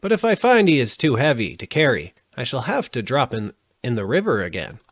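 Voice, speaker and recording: Storybook stork, female, kindly and brisk, high and animated, performed by a male reader. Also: no echo, heavily acted. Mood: doubtful but willing. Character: kind, brisk female stork, sharp-eyed and helpful. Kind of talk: storybook character voice in audiobook.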